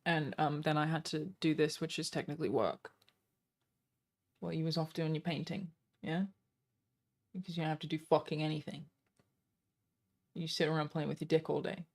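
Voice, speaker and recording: Australian woman streamer in her thirties, creaky vocal fry, profane teasing banter, casual chat. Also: sits low, steady tone, normal speed, long pauses, a little mellow. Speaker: streamer host.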